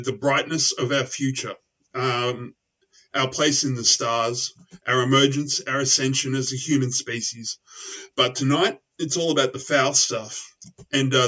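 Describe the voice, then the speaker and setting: A man's voice: medium pitch, a bit bright. A man hosting an online show in casual chat, rambling with many fillers and restarts. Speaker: podcast host. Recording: distant, dull lo-fi mic.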